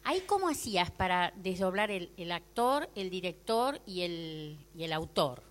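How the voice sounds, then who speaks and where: An Argentine woman moderating a conversation informally, putting halting, roundabout questions. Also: lowish voice, big pitch swings. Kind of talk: informal interviewing.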